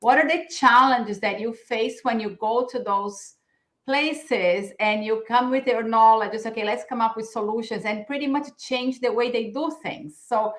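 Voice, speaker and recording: Woman host, thoughtful questions, pauses for words, echoey room, video call. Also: on the high side, fairly bright tone. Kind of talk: interview questions.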